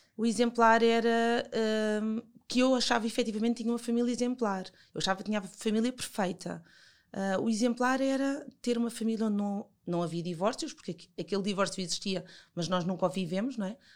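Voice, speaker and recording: A woman speaks with a Lisbon accent in a fairly high voice and ordinary pitch variation. The recording is very clean, with a silent background. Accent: European Portuguese, Lisbon. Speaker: business owner. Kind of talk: interview, personal life story.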